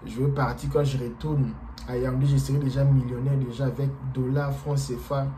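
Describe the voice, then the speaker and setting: A man's voice: medium pitch, little pitch movement, a little fast, warm tone, a little hiss or hum, rough recording. A man from DR Congo whose first language is not French, giving a casual explanatory vlog monologue and talking hesitantly, with many fillers and repeated words. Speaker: vlogger.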